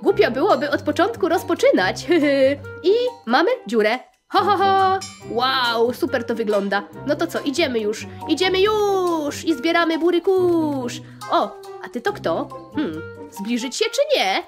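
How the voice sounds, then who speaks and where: Young woman, gaming host, very high voice, sing-song, cheerful rhyming commentary, faint music behind. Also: big pitch swings, unhurried. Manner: cheerful, bouncy, rhyming, many exclamations. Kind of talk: playful Roblox gameplay commentary.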